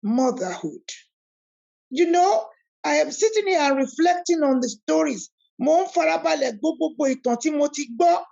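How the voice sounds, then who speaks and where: A woman's voice: sits high, lively intonation, moderate pace, creaky, warm tone, lo-fi sound. A woman hosting an online spiritual talk, emphatic and preacherly, repeating key words over a video call. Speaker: host of an online spiritual discussion. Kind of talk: animated talk, switching between English and Yoruba.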